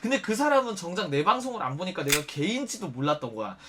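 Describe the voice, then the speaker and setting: High, lively-voiced man, blunt and profane. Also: quick pace. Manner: blunt, profane, animated storytelling. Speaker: streamer. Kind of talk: casual storytelling to viewers.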